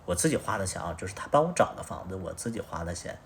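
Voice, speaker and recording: A man's voice: sits low, sing-song, quick pace, a little hiss or hum. A young man telling a story on a casual livestream, blunt and rambling, swearing often. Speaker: livestream host.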